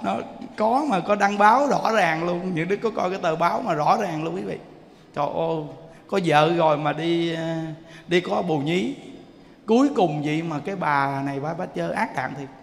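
A high-pitched man preaching a sermon in a folksy, animated storytelling manner. His voice rings out with a long reverb, as if he is speaking in a temple hall. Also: moderate pace, vocal fry. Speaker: monk.

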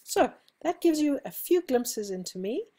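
A woman's voice: high-pitched, very animated, unhurried, warm tone. A middle-aged woman with a South African accent, introducing herself to her class in a conversational screencast, with frequent ums and restarts. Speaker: college instructor. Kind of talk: friendly self-introduction screencast. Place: indoors at a computer, seated. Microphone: webcam recording.

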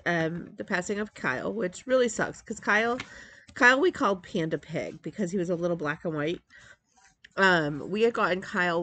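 A woman's voice: fairly low pitch, a bit bright. A woman in her forties with a congested, nasal voice, chatting casually to a webcam at home, rambling with many ums and restarts. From Metro Detroit, Michigan. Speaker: crafting vlogger. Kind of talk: casual chat to camera. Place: home craft room, indoors. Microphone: webcam at desk.

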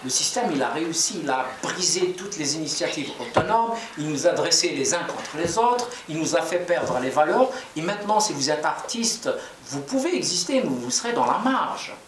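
Picked up from far off in an echoey room with crowd murmur and a noisy background, this man in his forties, a novelist born in Kabylie, Algeria, reflects on interview questions in a small office. His voice is a little high with big pitch swings, at a moderate pace with few pauses, though he hesitates a lot and gestures while speaking.

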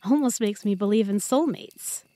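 A woman's voice: medium pitch, normal speed, warm tone, no room sound, lightly acted. A woman playing an affectionate, earnest young girlfriend in an intimate, chatty roleplay audio drama. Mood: tender. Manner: tender, chatty, playful.

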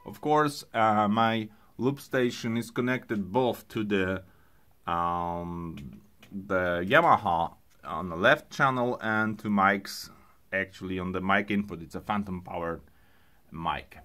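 A man who speaks English as a second language, presenting an unscripted hands-on music gear tutorial in a halting way, thinking aloud. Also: lowish voice, pushed and bright. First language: not English.

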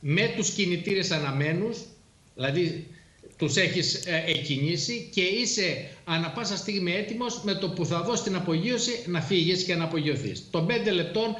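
A middle-aged man, a former air force pilot, explaining things in a measured way with frequent hesitations on a studio talk show. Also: high-pitched, a bit bright, roomy sound.

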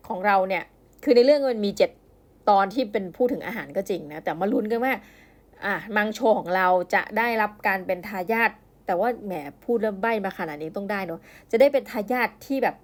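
A woman hosting a podcast, casually reviewing a novel and retelling its plot, acting out the characters' lines in a higher voice. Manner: chatty, acts out characters' lines with raised pitch.

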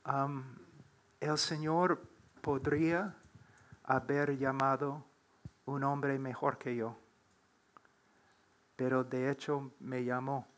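Slow, earnest man preaching on a panel. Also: medium pitch, little pitch movement, fairly bright tone. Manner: slow, earnest, preacherly, building to emphatic exhortation. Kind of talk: answering questions on a church panel. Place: church platform, seated before a large wooden cross.

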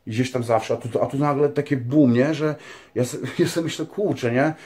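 A man's voice: mid-range voice, brisk, mellow. A man speaking earnestly in a casual spiritual monologue, rambling with many fillers and tag questions and calling his listeners dear ones. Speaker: religious vlogger.

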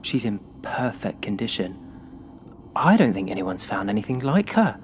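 An earnest, gentle male scientist in an audio drama set at a polar lab. His delivery is natural and unforced. There is clear noise behind the voice. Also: lowish voice, sing-song, moderate pace. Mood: quiet wonder.

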